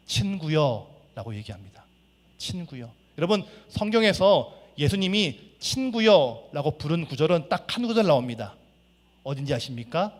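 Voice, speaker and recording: A male pastor preaching a sermon, acting out characters' lines and leading his congregation in reading aloud together. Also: on the high side. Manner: acts out workers' and master's quotes, leads congregation in reading. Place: church sanctuary. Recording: church hall reverb.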